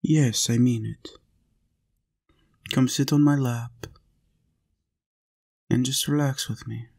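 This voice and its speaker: Slow, even-toned man as a lonely vampire. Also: mid-range voice, gravelly. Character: lonely, tender centuries-old male vampire in a castle. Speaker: roleplay audio performer. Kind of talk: intimate scripted roleplay audio acting.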